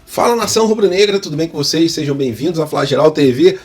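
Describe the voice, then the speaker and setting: A man with a Brazilian accent and husky voice, hosting informal football news as a partisan fan who addresses viewers directly. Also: a little high, animated, quick pace, a little mellow, faint music behind. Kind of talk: informal sports news commentary.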